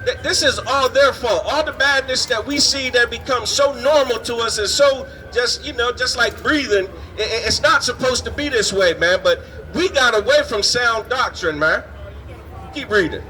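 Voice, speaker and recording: Guy street preaching outside, really high bright voice, indignant and punchy, bit of traffic noise. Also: normal speed, rough recording. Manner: punctuates phrases with "man" and "you understand"; emphatic, indignant. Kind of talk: fiery street sermon. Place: outdoors on a city street. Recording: outdoor street noise, passing vehicles.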